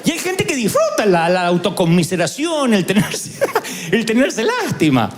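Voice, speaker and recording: A male pastor delivers a sermon as animated, humorous storytelling. His voice sits high for a man and swings widely in pitch. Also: normal speed, background noise.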